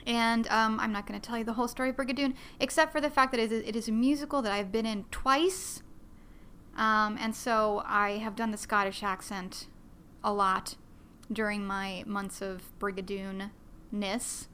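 A woman's voice: medium pitch, fairly even intonation, normal speed, fairly bright tone, a little hiss or hum. A woman hosting a solo podcast, chatting in a bubbly, self-deprecating way and rambling with many fillers. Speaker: podcast host.

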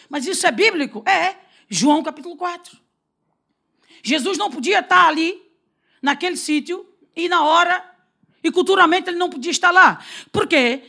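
A Brazilian woman preaching a lively sermon, telling stories and acting out the dialogue with frequent laughter. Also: very high-pitched, gravelly. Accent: Brazilian Portuguese. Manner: animated, acts out quoted dialogue, laughs often.

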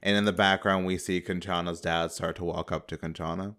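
A man's voice: sits low, level tone, brisk, fairly bright tone, clear, resonant tone. A man narrating a tabletop game as game master, hesitant, with frequent fillers. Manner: hesitant, laughing easily.

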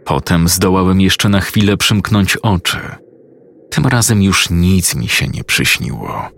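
A man narrating a horror story in the first person with a slow, measured, ominous reading. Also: low voice, animated, vocal fry, a bit bright.

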